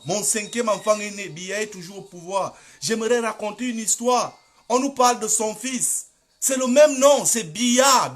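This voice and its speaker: A middle-aged man with a Cameroonian French accent delivers impassioned political commentary in an extremely high-pitched, fairly bright voice. He's emphatic and repetitive, exhorting his listeners.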